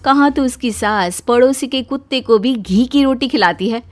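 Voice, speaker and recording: A woman narrating a cartoon moral story in an expressive storytelling manner. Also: a little high, moderate pace, a little hiss or hum.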